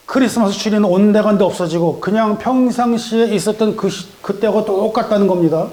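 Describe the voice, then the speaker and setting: A middle-aged man with a fairly high voice preaches to his congregation. He tells a story by acting out its characters' lines in different voices, then turns it into his sermon. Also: mellow. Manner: storytelling with acted dialogue voices. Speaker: pastor. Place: church sanctuary.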